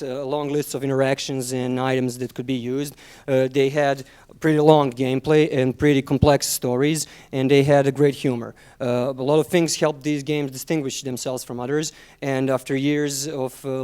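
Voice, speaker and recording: A young man with a Serbian accent gives a conference presentation, speaking haltingly with frequent ums and repeated words. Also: mid-range voice, a little mellow, smooth. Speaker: conference speaker, junior game designer.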